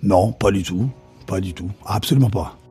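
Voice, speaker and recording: Interviewed about his career, this middle-aged chef with a Parisian suburban French accent haltingly remembers his younger years, stumbling through fillers and restarts. He has a low voice and a dark tone, and faint music plays in the background.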